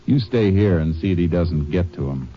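Casting: tough American lawman of the range, deep voice, terse and determined, on dull vintage radio sound. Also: lively intonation, moderate pace, heavy background noise. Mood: businesslike. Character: tough, dogged adult male Texas Ranger on horseback. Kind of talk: old-time radio western acting, with first-person narration. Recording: dull 1950s radio recording with music.

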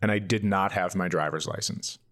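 A man with a fairly low voice tells comic stories in a casual, conversational way. He is candid and self-deprecating, like a working comedian chatting on a podcast. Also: brisk, fairly bright tone. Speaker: stand-up comedian and podcast co-host.

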